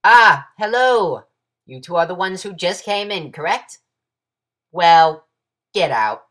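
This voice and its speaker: A man's voice: sits high, expressive, slow, fairly bright tone, heavily acted. A man voicing a bossy, fussy bird who is second-in-command of a guild, in a stern, clipped, scolding manner. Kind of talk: character voice audition.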